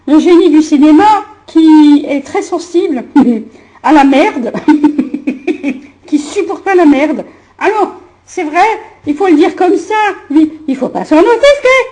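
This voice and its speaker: A woman's voice: sits high, a little mellow, low-quality recording. A woman playing a film director in a comedy sketch, chatty and giggly, full of fillers. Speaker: comic playing a film director at a sound test.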